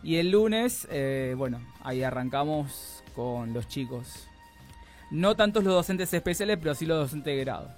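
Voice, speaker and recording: A man's voice: fairly high pitch, animated, moderate pace, faint music behind. A man with an Argentine Spanish accent, a teacher co-hosting a radio show in easygoing chat. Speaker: radio show co-host and schoolteacher.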